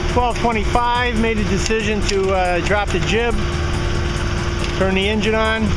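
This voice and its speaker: Speech at a moderate pace over music in the background. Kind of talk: casual vlog narration. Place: boat.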